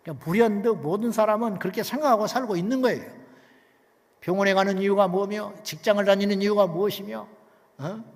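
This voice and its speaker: A male pastor preaching an emphatic sermon, dropping to near whispers and then rising loud, with many rhetorical questions to the congregation. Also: high voice, brisk, in a large hall.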